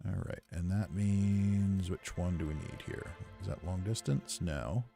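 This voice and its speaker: Speaking low and at a measured pace, a gamer narrates his playthrough with easygoing, casual commentary, thinking aloud as he plays. His voice is creaky and dark-toned, with soft music in the background.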